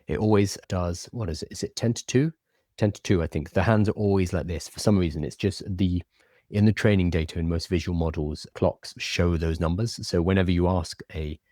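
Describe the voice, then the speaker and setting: A man hosting a casual live stream, chatting with a lisp and soft R's that sound like w's. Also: low-pitched, dry recording, clean studio sound. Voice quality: lisp, can't say his R's, says w for r. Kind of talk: casual live-stream chat, answering viewer comments.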